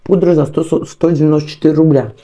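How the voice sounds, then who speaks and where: A woman's voice: sits low, fairly even intonation, quick pace, mellow, dull audio. A woman vlogger talking while chewing food, chatting casually and homely with her viewers as she eats. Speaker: mukbang vlogger. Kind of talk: casual chat while eating on camera.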